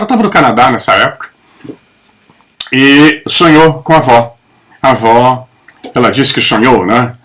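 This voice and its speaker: Man, 70s, mid-pitched, chatty and opinionated storyteller. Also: fairly bright tone. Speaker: channel host. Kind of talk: casual spoken monologue. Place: home in the Netherlands.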